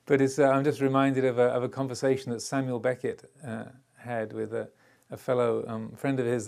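An older man gives a calm dharma talk to a retreat group. His voice sits at an ordinary male pitch and carries a gravelly edge. He pauses often and restarts his phrases as he thinks aloud. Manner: halting and reflective, with frequent hesitations. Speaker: Buddhist teacher.

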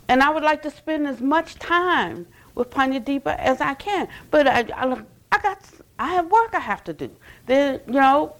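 High-voiced older woman giving a dharma talk. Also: poor audio. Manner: animated storytelling with frequent restarts and "you know". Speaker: Buddhist teacher. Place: retreat center meditation hall.

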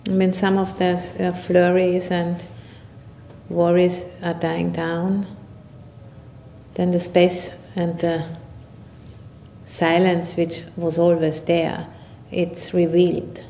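A woman leading a guided meditation as a Buddhist teacher, speaking in unhurried, halting phrases with long pauses. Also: little pitch movement, mellow. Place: retreat session at a monastery or retreat center. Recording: low rumbling background noise.

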